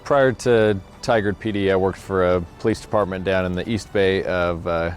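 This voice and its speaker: Deep-voiced oregon cop, steady and plain, music faint behind. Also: male voice, normal speed. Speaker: police officer. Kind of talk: recruitment video interview.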